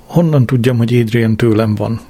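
A man voicing a distraught older man who shouts indignantly. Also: medium pitch, lightly acted.

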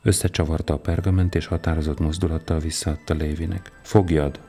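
A man narrating an audiobook in a slow, even, deliberate way. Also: a bass voice, breathy edge, faint music behind.

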